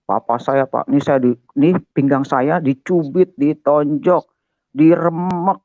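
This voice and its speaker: An older man telling his conversion testimony as a guest, animated and talking straight to his listener. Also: medium pitch, normal speed, no room sound. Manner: animated, keeps addressing the listener as "Pak". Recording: dull, muffled, dry sound.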